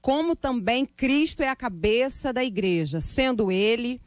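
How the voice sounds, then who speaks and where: A woman's voice: on the high side, animated, measured pace, no room sound, clean studio sound. A woman on a radio panel giving religious commentary in a preacherly, explanatory way. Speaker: debate panelist, gospel singer. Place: dry radio studio.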